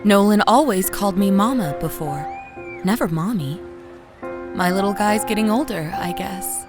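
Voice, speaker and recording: An actress playing a loving, anxious young mother, narrating her memories in an expressive, conversational way for a scripted audio drama. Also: medium pitch, normal speed, close to an everyday voice. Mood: fond, relieved. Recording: faint music behind narration.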